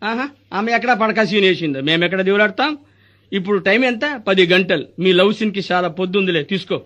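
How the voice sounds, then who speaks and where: A man's voice in a comic sketch, rattling off teasing, bossy lines at a fast clip. It sits high and has a bright, forceful edge throughout. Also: muffled recording. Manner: mocking, bossy, rapid comic banter. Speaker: comic actor playing a corrupt hospital doctor.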